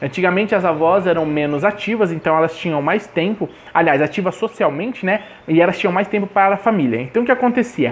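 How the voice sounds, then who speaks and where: The speech moves at a fairly quick pace. There is noticeable noise in the background. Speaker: psychology YouTuber. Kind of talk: educational lecture. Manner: fast.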